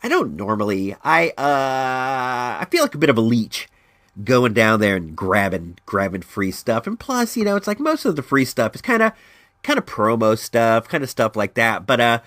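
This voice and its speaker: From Northern California, this podcast host talks casually and rambles, restarting a lot and moving through lively highs and lows while his voice sounds blocked up from allergies. He has a medium pitch and normal speed, recorded with no echo.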